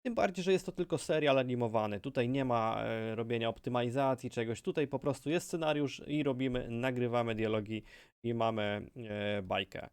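A man's voice: medium pitch, fairly quick, smooth, no echo. Man, dry casual gaming commentary. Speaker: gaming video creator.

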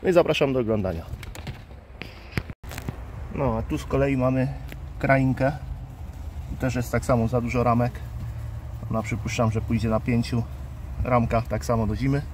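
Male beekeeper vlogger, mid-range voice, relaxed off-the-cuff delivery outdoors on a phone mic, faint bee buzz behind. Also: medium pitch, slight background noise. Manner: unhurried, thinking aloud with fillers. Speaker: beekeeper and channel host. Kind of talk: casual hands-on explainer vlog. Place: outdoors at beehives. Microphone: handheld phone camera. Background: faint outdoor ambience with buzzing bees.

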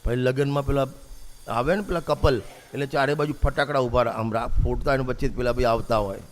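A man's voice: medium pitch, steady tone, brisk. A man preaching a sermon, repeating a refrain and putting rhetorical questions to his listeners. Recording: long reverb of a large hall.

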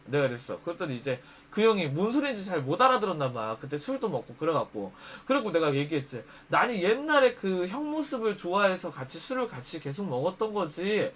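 A man's voice: high voice, a little fast, hardly any pauses. A young man casually telling a personal story, acting out what others said in shifting voices. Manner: animated, acts out quoted lines in shifting voices. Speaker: storyteller host.

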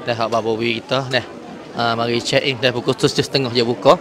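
A man with a southern Thai Malay accent talks as a live vlogger in a casual, repetitive way. His pitch is average for a man. Clear crowd chatter from a busy airport hall surrounds his voice. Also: level tone, fast talker. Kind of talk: casual live commentary with devotional phrases. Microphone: handheld phone.

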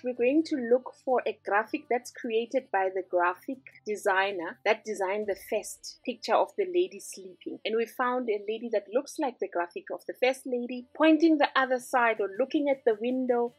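A woman's voice: medium pitch, husky, no echo, rough recording. A woman hosting a screen-recorded design tutorial, walking through each step in an upbeat, instructive way. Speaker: tutorial host.

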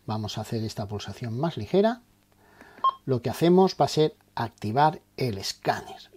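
A man's voice: medium pitch, warm tone, slight background noise. A man from presenting a step-by-step tutorial in a didactic way, posing questions and answering them. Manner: didactic, explains terms and poses questions then answers them. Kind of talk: step-by-step instructional narration.

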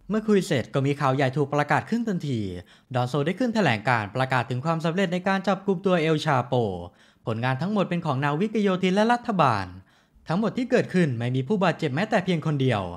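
A man's voice: a little high, lively intonation, quick pace. A man narrating a TV series recap in a chatty, casual storytelling way, with polite sentence endings.

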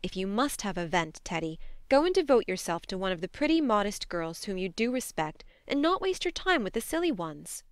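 A woman reading a storybook, voicing a blunt, spirited young woman who talks briskly. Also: medium pitch, very animated, no room sound, clean studio sound, natural voice. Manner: brisk, scolding, then tender.

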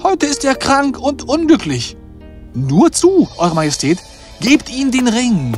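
Loyal royal companion voiced by an actor, earnest and emphatic, animated fairy tale, widely varied pitch. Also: measured pace, soft background music. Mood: earnest, assured. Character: loyal, earnest bearded man, a king's devoted friend.

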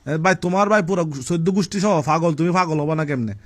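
An actor playing a pushy young boyfriend who nags and teases insistently in a comedic phone-call sketch. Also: male voice, on the high side, fast, natural voice. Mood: nagging. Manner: insistent, needling, teasing.

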